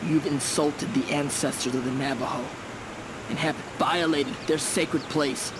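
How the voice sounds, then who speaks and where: A man's voice: fairly high pitch, steady tone, unhurried, background noise, lightly acted. An actor playing a proud, scornful Native American shaman in a western video game, with formal, solemn phrasing. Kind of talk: dramatic video game acting. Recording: music behind the voice. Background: music.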